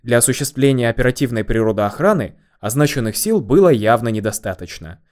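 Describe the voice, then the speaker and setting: A man narrating a first-person story in a calm, deadpan way. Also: mid-range voice, fairly quick.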